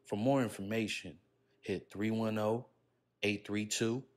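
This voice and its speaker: A man's voice: on the low side, fairly even intonation, measured pace. A man reading a promotional announcement as an announcer.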